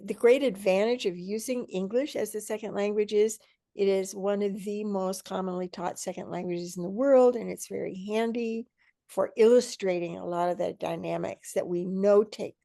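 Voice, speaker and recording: An older woman explaining things thoughtfully on an online panel, in a measured, emphatic way, as a teacher educator. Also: medium pitch, vocal fry, warm tone, no room sound, clean studio sound. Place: indoor room at home or office, video call.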